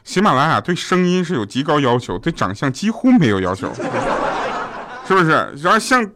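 A man who hosts an audio show and delivers a stand-up comedy monologue. He builds deadpan setups into quick punchlines and often turns to the listener with "you know?". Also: a little high, background noise.

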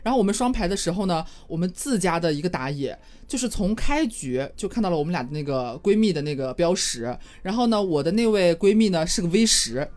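A woman hosting a casual chat show, telling game stories with lively, indignant storytelling. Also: fairly low pitch, fairly quick, few pauses. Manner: animated storytelling, flares up when indignant. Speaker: podcast host.

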